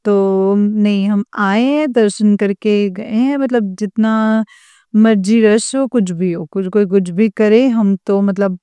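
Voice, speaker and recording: A woman's voice: mid-range voice, steady tone, takes it slowly, dark tone, clear, resonant tone, no echo. A young woman earnestly telling a personal story to a religious congregation, addressing her listeners again and again. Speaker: devotee sharing experience.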